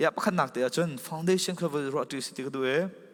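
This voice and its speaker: The man's voice is fairly high in pitch. He keeps to a moderate pace. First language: not Hakka Chin; another Chin language. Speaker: Sunday school teacher. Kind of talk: teaching session. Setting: church classroom with PowerPoint. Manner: code-switching between English and Chin.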